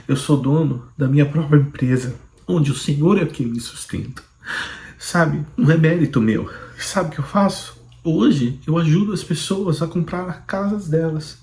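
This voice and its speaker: A middle-aged man with a Brazilian Portuguese accent, telling his personal faith testimony in an animated, fervent way. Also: a little high. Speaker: Christian YouTuber giving a testimony. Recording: roomy echoing room.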